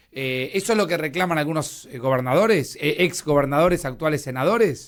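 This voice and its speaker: A man with an unremarkable speaking voice, fairly high pitch, ordinary pitch variation and a fairly quick pace. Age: 40s. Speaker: radio journalist. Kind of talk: radio interview.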